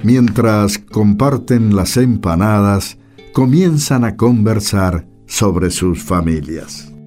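Slow, mellow male narrator. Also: on the low side. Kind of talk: scripted narration and Gospel reading. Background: music.

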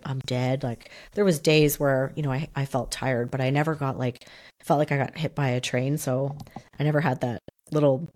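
A woman in her thirties co-hosting a casual podcast, a bit nasal and raspy from a cold, chatty with lots of fillers. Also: extremely low pitch, steady tone, normal speed, a little mellow. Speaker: podcast co-host. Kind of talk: casual chat.

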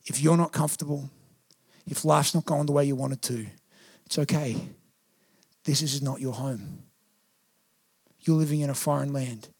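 A man preaching a sermon as pastor, animated and playful, acting out short quoted voices. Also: mid-range voice, moderate pace, long pauses, slightly rough.

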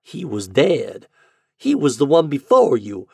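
A man's voice: wildly swooping pitch, creaky, slightly rough, no echo, studio quality, heavily acted. Man putting on a drawling old landlady. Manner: slow drawl, high and loud. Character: drawling sly old landlady, cool and unbothered.

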